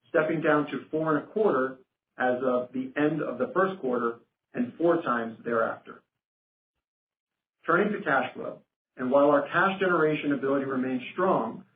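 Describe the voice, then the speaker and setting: A man speaking formally as a finance executive presenting on a company earnings call. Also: medium pitch. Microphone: conference phone call. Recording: roomy phone line with noticeable hiss.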